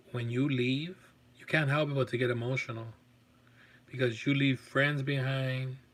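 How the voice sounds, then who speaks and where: This man's voice sits at a medium pitch and sounds somewhat breathy. His intonation stays monotone and flat. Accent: American. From Los Angeles, US. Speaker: vlogger. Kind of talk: casual livestream chat. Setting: live stream.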